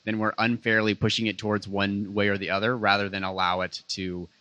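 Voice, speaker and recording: A man asking a question at a live panel discussion, halting and cutting off his own words. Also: fairly low pitch, level tone, sharp tone, dry recording, dull audio.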